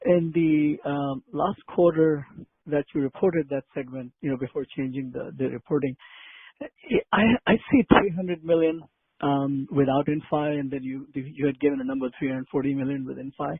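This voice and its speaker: A man, a financial analyst, asking probing, halting clarification questions on an earnings call. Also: mid-range voice, steady tone, husky, no echo. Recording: dry, narrow phone line.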